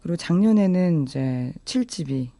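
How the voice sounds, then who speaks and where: Woman, radio guest, very warm dark timbre, dry close studio recording, soft conversational music talk, polite, reflective, appreciative. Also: deep voice, animated, normal speed, no room sound. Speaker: radio guest introducing songs. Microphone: close studio microphone.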